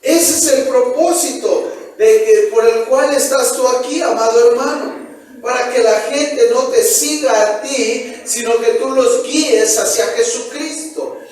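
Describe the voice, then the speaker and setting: A male pastor with a Mexican Spanish accent preaching a lively sermon, asking his congregation questions and acting out the voices he quotes. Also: very high-pitched, measured pace. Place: church hall. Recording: echoey church room, mic at a distance.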